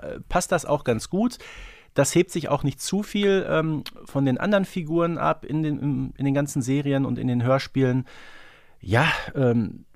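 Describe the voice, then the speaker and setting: A man's voice: a little high, no echo, studio quality. A man speaking conversationally as a podcast host in a fan discussion.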